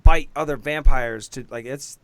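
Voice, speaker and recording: A man chatting casually at a tabletop game, halting and rephrasing as he goes. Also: medium pitch, a bit bright, a little hiss or hum. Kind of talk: casual chat.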